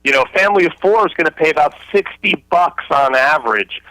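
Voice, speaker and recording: A man's voice: fairly high pitch, animated, fast talker, pushed and bright, no echo, low-quality recording. A man giving a casual radio interview as a business expert, explaining emphatically in colloquial, joking language. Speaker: interview guest, franchise consultant and author.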